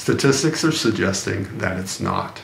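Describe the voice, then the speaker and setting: Light background noise and audible room echo around a man's moderately paced speech. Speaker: grooming brand host. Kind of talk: casual vlog chat. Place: home room.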